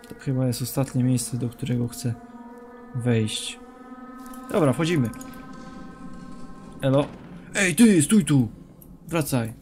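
A man's voice: mid-range voice, dark tone, slight background noise. A young man commentating a horror game as a streamer, joking, talking to the game's characters and dropping English phrases. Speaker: gaming streamer.

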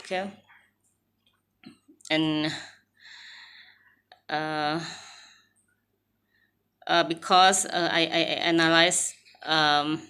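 A woman in her forties with a Thai accent, talking haltingly to camera in English, with many fillers and restarts. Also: low voice, sharp tone, clear, resonant tone. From Thailand. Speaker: vlogger. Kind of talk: casual talk to camera. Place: small room indoors.

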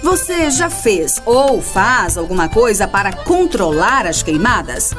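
A woman's voice: medium pitch, big pitch swings, slow pace. A woman giving scripted, presentational narration for a radio programme. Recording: music behind narration.

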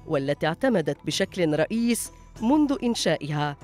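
A narrator reading a scripted documentary voice-over in a formal, rapid manner. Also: medium pitch, sing-song, a little mellow, faint music behind.

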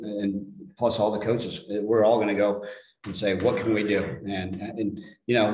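Brief: middle-aged male coach, low steady voice, flat delivery, roomy press-room sound. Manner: plain-spoken, repeats words when restarting. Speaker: head football coach. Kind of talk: post-game press conference.

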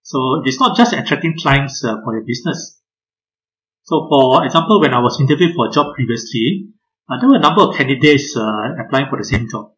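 A man's voice: mid-range voice, fairly bright tone, rough recording. Older man presenting over a video call. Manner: measured, many filler uhs, addresses the audience directly. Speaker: speaker presenting a talk on book publishing. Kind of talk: webinar presentation.

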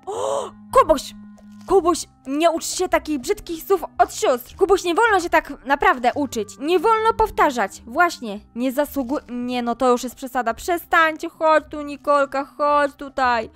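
Faint music plays behind this Roblox YouTuber's high, expressive voice, which is a bit bright and moves at a normal speed with few pauses. Role-playing a mom telling off her kids, she narrates the gameplay and breaks off to speak directly to viewers.

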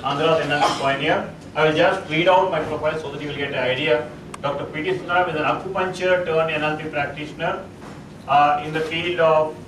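A middle-aged man with an Indian English accent gives a halting conference talk as a psychologist, full of uh fillers and restarts, on a large auditorium stage. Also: fairly high pitch. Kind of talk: conference presentation. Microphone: distant room mic, speaker standing on stage. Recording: echoey auditorium, far from mic, noisy.

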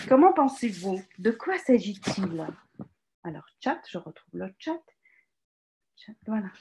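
A woman from Ukraine leading an online teacher workshop in French on a video call, lively and encouraging, with many hesitations and fillers. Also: mid-range voice. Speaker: teacher trainer giving a webinar talk. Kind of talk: live online workshop presentation. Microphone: computer mic on a video call.

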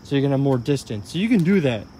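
A man's voice: mid-range voice, big pitch swings, racing, mellow, a little hiss or hum. A man casually reviewing pressure washers outdoors, talking in a rambling way with lots of fillers, recorded on a body-worn camera. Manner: rambling, self-correcting, filler-heavy. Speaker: tool reviewer. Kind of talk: casual product demo vlog. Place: outdoor garden walkway by a tree. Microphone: body-worn camera, first-person view.

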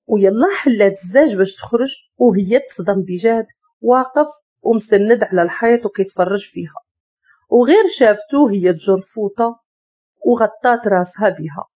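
A woman with a Moroccan accent tells a story in an expressive, dramatic way. Her voice is husky and mellow, and it stays fairly high with a lively rise and fall. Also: normal speed. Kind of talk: scripted story narration.

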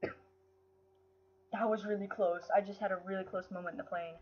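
A sick woman hosts her own gaming channel, chatting casually as she plays, her illness-worn voice often sounding frustrated. It sits mid-range with little pitch movement, brisk and slightly rough. A built-in mic with no headset gives a dull, lo-fi recording.

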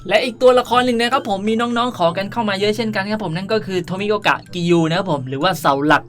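This video creator's voice sits high, with lively intonation and a quick pace, as he hosts a casual game tutorial and politely talks to his viewers throughout. The background is noisy, with music behind his voice.

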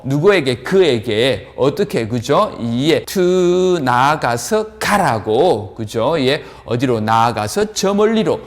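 A man teaching an English lesson, asking his students questions and answering them himself, drawing out the English words slowly as he models them. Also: on the high side. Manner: animated, asks and answers his own questions. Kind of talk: lively classroom-style lesson.

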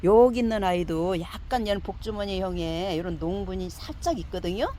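Woman seller, animated pitch, chatty coaxing showcase tone, casual and repetitive. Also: brisk, slight background noise. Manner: chatty, coaxing, repeats "like this" while measuring pots. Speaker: succulent pot seller.

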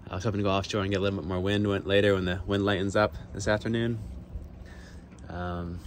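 Out on a small sailboat, a man in his thirties talks rapidly in a low-pitched voice for his casual vlog, phone held at arm's length. Relaxed and thinking aloud, he meanders from one topic to another, while wind and water noise come through on the recording.

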